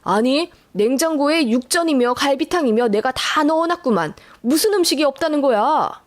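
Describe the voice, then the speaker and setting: A gentle older father-in-law speaks in a calm, fatherly way, his voice pitched lower than the narrator's own, played by a woman reading the story. It is a storybook radio-drama reading. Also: moderate pace. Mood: stern.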